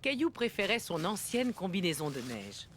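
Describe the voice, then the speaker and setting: A woman playing a kindly storyteller, narrating a children's cartoon tale in an expressive, simple way. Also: fairly low pitch, moderate pace, husky, heavily acted. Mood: kindly storytelling. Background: loud music.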